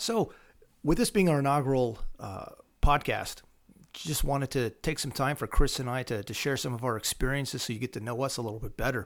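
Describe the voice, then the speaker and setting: With an American accent, a man talks at a fairly quick pace in an unremarkable speaking voice of medium pitch, ordinary pitch variation, and a very clean recording over a silent background. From Pennsylvania, southern Lancaster County. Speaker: firearms trainer, army veteran. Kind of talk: casual chat. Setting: office.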